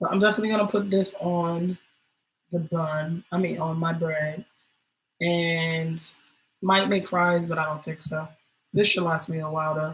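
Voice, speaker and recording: A woman speaks at a moderate pace with a fairly low pitch. Her somewhat breathy voice is monotone and flat. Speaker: vlogger. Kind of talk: casual chat. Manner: chatty.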